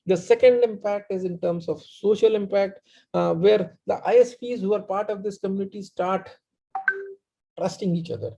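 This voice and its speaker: A man with an Indian accent explaining his work as a panelist in a halting, presentational way. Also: high voice, creaky, dark tone. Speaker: panelist, community organizer. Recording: dull, muffled online-call audio.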